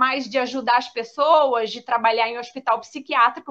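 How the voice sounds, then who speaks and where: Raised and projected, a woman's voice comes across with a bright, sharp tone. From Brazil, Minas Gerais. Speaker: mother in a heritage-language group, psychologist. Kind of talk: personal life story in a live interview. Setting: online live stream.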